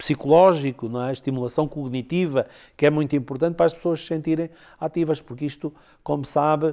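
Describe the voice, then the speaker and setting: A man with a fairly high pitch and a dark, mellow tone, at a fairly quick pace with fairly even intonation, on a very clean recording with a silent background. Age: 60s. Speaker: association president. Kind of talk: interview.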